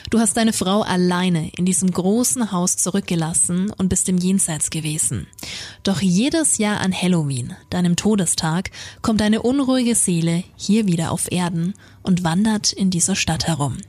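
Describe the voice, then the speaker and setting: A woman voicing Death as a calm male shadow figure, speaking low and hushed in a soothing tone. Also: moderate pace, breathy edge, no room sound.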